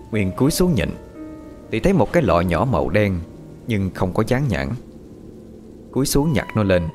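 Low-voiced guy narrating a spooky story, tone moves around a lot. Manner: steady storytelling with lively intonation. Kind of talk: scripted horror story narration. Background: faint background music.

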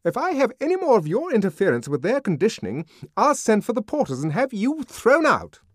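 A man's voice: a little high, huge pitch swings, unhurried, no echo, clean studio sound, voice pushed up. A man voicing a fierce, truculent woman head nurse in an audiobook, scolding and bossy.

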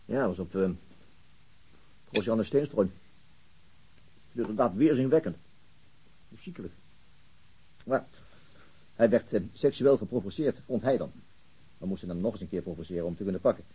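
A laconic city police detective in a radio play. His voice is fairly low, dark and husky, and he speaks in a hesitant, thoughtful, probing way. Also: lively intonation, moderate pace, long pauses, lo-fi sound. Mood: grave, disgusted. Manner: hesitant, terse, questioning. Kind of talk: naturalistic radio drama dialogue.

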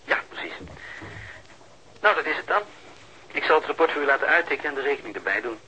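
An actor playing a chatty, pedantic sound technician in a radio drama, hesitantly explaining things step by step over the telephone. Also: male voice, medium pitch, expressive, fast talker, bright, forceful tone, a little hiss or hum, poor audio. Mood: fussy, matter-of-fact.

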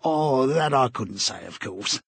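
A man's voice: medium pitch, expressive, unhurried, creaky, a bit bright, breathy edge, dry recording, heavily acted. A man reading aloud, voicing a bluff, hearty middle-aged man who is an eager busybody, talking in a jovial, chummy, pushy way.

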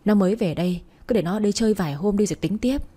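A woman's voice: mid-range voice, racing, warm tone, slightly rough, natural voice. A woman voicing a kind older woman, a future mother-in-law who comforts the girl and bosses her son, in a storybook reading. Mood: commanding. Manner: soothing and motherly. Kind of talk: storybook narration.

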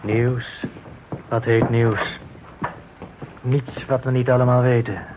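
A man's voice: mid-range voice, little pitch movement, slow, close to an everyday voice. An actor playing an anxious Jewish man in a radio drama, speaking in an uneasy, hesitant way. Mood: wry greeting. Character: anxious, less devout Jewish man in occupied Amsterdam. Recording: thin phone-like old radio recording, slight hiss.

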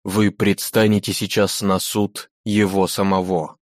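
A man's voice: low voice, little pitch movement, unhurried, dry recording, clean studio sound. A man voicing a stern Jesuit priest passing sentence, cold and solemn.

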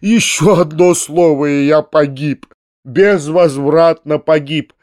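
A man voicing a helpless, soft-hearted father in a storybook reading, crying out and imploring. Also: a little high, slow pace, dry recording, clean studio sound. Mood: despairing.

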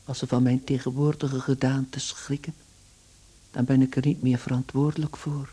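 An actor playing a travelling salesman turned insect in a radio play, meek, earnest and strangely calm, speaking slowly and deliberately. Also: mid-range voice, slightly rough, lightly acted. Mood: anxious resolve. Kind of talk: Dutch-language radio play acting.

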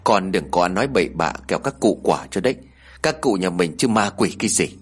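A man's voice: low voice, lively intonation, a little fast, slightly rough, pitched below the performer's own voice. A man voicing a fretful, scolding elderly grandmother in a village ghost story, with a chiding, clucking way of talking.

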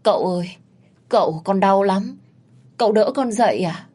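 A woman's voice: moderate pace, warm tone, close to an everyday voice. A woman voicing a desperate young female servant who pleads and whines with her master in a told story. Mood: pleading. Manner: whiny, pleading, rising high.

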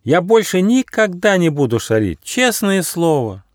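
A man's voice: sing-song, unhurried, no echo, clean studio sound. A man voicing a lonely, shaggy forest prankster spirit in a children's storybook. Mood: pleading. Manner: high pleading prankster voice.

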